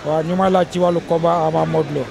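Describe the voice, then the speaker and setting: A man's voice: a little high, steady tone, fast, vocal fry, a crowd in the background, noisy background. A young Senegalese man giving his opinion in a street interview, speaking steadily and repeating his point. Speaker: local resident interviewee. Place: outdoors by a wall. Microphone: handheld reporter mics held close.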